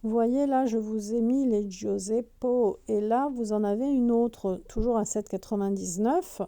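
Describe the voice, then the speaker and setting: A woman's voice: a little high, measured pace, warm tone, clean tone. A woman giving casual shopping vlog commentary in a discount store, chatty and full of fillers, with a slightly sore throat from wearing a mask. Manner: chatty, fills with "euh" and "hein", reads prices aloud. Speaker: vlogger showing a discount store shoe display. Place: inside a large discount store.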